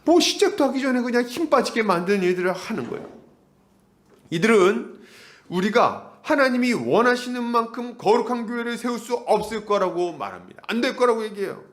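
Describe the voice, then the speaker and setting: Man, pastor, sermon, high voice, swooping lively delivery, rhetorical questions. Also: fairly quick. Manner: animated, rhetorical questions, acts out quoted voices. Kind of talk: expository sermon.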